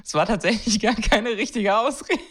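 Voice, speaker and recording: A woman's voice: fairly high pitch, normal speed, fairly bright tone, breathy edge. A woman co-hosting a podcast in casual chat, teasing and bursting into laughter. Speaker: podcast co-host.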